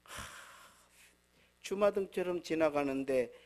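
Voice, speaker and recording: A middle-aged man preaching a sermon as pastor, telling stories and acting out quoted voices, with swings from soft murmurs to loud emphatic bursts. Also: on the high side, slow. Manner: storytelling, acts out quoted voices.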